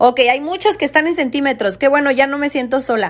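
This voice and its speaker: This woman is speaking. She talks with a Mexican accent. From Mexico. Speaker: crafting livestreamer. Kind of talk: tutorial livestream. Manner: casual, chatty. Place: home room. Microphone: phone near.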